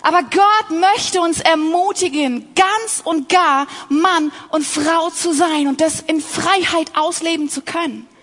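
A woman's voice: very high-pitched, takes it slowly, few pauses, fairly bright tone. A young adult woman giving an earnest, personal sermon, talking directly to other women in her audience. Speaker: speaker at a Christian talk.

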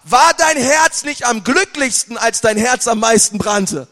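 A man preaching a sermon with passion, moving between loud outbursts and quiet, intense stretches. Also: very high-pitched, lively intonation, a little slow. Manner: impassioned, swings from loud to quiet. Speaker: pastor. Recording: long hall reverb.

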